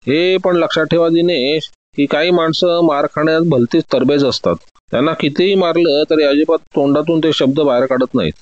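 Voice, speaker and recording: A man reading a story, voicing a shrewd male detective who speaks in a measured, soothing way to win trust. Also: fairly high pitch, fairly even intonation, no echo, highs cut off, natural voice. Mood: coolly probing.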